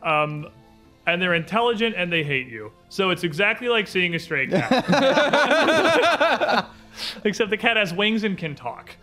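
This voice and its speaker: A man with a bright, forward voice acts as game master. He improvises descriptions in an informal, conversational way, over faint background music. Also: high-pitched, moderate pace. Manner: informal, descriptive, animated asides. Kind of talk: improvised tabletop game narration.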